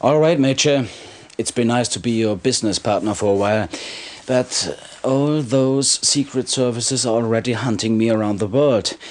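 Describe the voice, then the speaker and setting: A man's voice: medium pitch, normal speed, close to an everyday voice. An actor playing a cocky, greedy black-market arms dealer in a video game cutscene, delivering a smug salesman's patter. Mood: smug, jovial.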